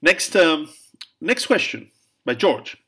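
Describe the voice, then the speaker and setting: A man's voice: a little high, very animated, takes it slowly, sharp tone, husky. Hesitant man answering questions. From Italy, raised in Switzerland. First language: Italian. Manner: hesitant, many restarts and fillers, laughs at own jokes. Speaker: author answering viewer questions. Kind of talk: casual Q&A monologue.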